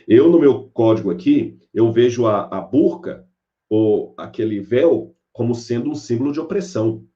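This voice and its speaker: A man's voice: mid-range voice, moderate pace, muffled recording. A man giving a sermon-style Bible lecture, telling stories and acting out the people in them. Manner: animated storyteller acting out characters. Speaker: preacher.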